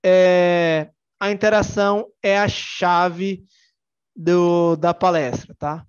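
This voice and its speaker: His voice sits high with fairly even intonation and a clear, resonant tone, and he takes it slowly, though the audio is dull. He's a young tech conference speaker from Salvador, Bahia, with a Bahian Brazilian Portuguese accent, delivering a relaxed, jokey technical talk packed with fillers and restarts.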